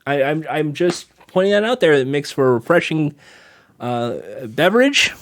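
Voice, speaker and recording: A man with a nasal, whiny voice co-hosting a stream, joking and teasing in playful banter. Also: normal speed. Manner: animated, jokey, swings his pitch for bits. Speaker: streamer and co-host.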